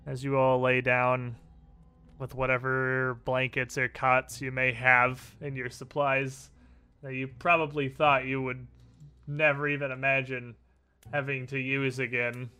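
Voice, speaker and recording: A man narrating a tabletop role-playing game as game master, telling it deliberately and with suspenseful pauses. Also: medium pitch, flat delivery, bright, forceful tone, clear, resonant tone.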